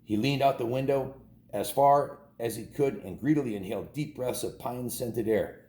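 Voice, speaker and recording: A man's voice: medium pitch, normal speed, warm tone, reverberant. A man reading a children's story aloud in an informal, homespun way, stumbling and correcting himself with casual asides.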